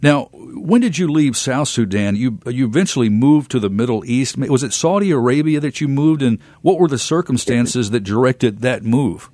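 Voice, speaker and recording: A man's voice: mid-range voice, animated, moderate pace, hardly any pauses, warm tone. An American man hosting a Christian radio program, making announcements and interviewing a guest. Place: radio studio.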